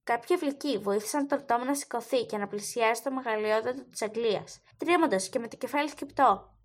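A woman reading a story aloud as narrator, in a steady storytelling manner. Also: a little high. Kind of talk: audiobook narration.

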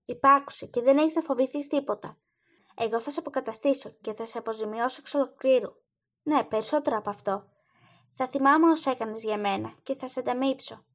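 Woman reading a bossy boy king, high voice, haughty, storybook. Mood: reassuring. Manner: haughty, commanding. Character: proud young boy king, imperious.

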